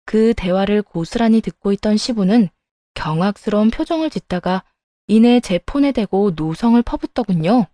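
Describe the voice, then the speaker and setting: A woman telling her own family story in polite first-person narration. Her pitch moves in a lively, melodic way over a mellow, soft tone. The recording is dry and close. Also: moderate pace, no room sound. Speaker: narrator as daughter-in-law.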